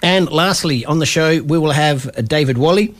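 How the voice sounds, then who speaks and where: A man's voice: a little high, normal speed, fairly bright tone. A man hosting a casual community radio football show, rambling with lots of fillers and self-deprecating asides. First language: English.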